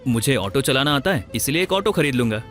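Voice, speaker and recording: A man plays a careless young lover in his twenties who has run off from home, brash and sure of his half-baked plans. He talks fast and offhand at an ordinary middle pitch, with faint music behind him. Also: animated, fairly bright tone, lightly acted. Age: 20s. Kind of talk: Hindi film dub.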